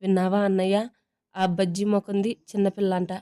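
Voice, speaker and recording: Whiny, teasing young brother, read by a female storyteller, mellow and smooth, flat. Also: mid-range voice, fairly quick, close to an everyday voice. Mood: dramatic. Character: cheeky joking young man, playful brother.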